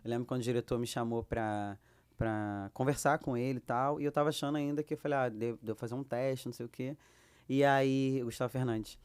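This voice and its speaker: A Brazilian woman with a Brazilian Portuguese accent, a guest actress telling lively anecdotes and acting out the dialogue she quotes. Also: a bass voice, brisk, smooth. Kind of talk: casual storytelling.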